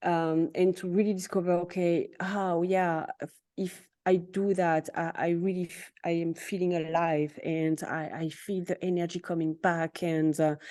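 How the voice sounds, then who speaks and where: A dark, mellow voice speaks at a fairly slow pace in a monotone with flat intonation. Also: woman, fairly low pitch for a woman. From France. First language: French. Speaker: career coach. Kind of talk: casual chat. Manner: halting.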